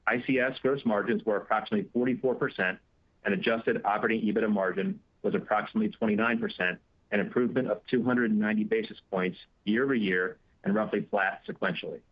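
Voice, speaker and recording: A man's voice: on the low side, expressive, quick pace. A man in a finance chief's role giving a prepared report of financial results, reading figures formally and steadily. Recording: dull, band-limited conference call audio.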